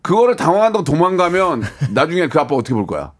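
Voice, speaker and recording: A male radio host in casual chat, playful and given to loud acted-out outbursts. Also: a little high, big pitch swings, fast.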